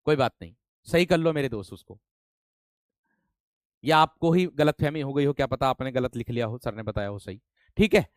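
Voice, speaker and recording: A man's voice: on the high side, no room sound, clean studio sound. A man teaching an online grammar class, explaining step by step and often calling his students friends and brave ones.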